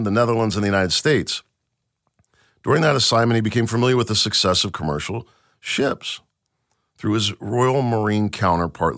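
A man's voice: on the low side, a bit bright, no room sound, clean studio sound. A man hosting a podcast, giving emphatic, enthusiastic commentary and reading from an article. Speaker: podcast host.

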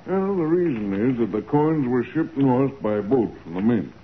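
A grumbling, eccentric coin dealer acted out by a man, querulous and repetitive, his pitch jumping all over. It is a 1940s radio play on a narrow, faintly noisy recording. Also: very animated, moderate pace, natural voice. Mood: proud. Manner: querulous, repeats himself, muttering. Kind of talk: 1940s radio drama acting.

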